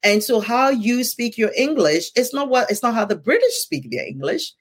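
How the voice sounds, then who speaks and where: A woman's voice: a little high, animated, normal speed, husky. A middle-aged woman with a Ghanaian accent, hosting a casual conversation in an earnest tone and often checking in with "right?". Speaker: podcast host.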